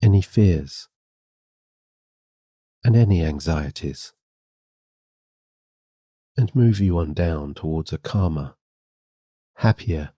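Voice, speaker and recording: A man giving a scripted sleep hypnosis and guided meditation in a gentle, soothing, guiding way. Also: rumbling low, breathy edge, dry recording, studio quality.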